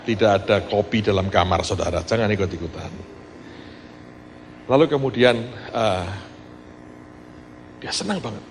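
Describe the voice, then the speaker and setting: Animated low-voiced male preacher. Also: background noise. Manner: animated storyteller, acts out quoted voices, addresses congregation directly. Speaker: pastor. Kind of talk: sermon storytelling.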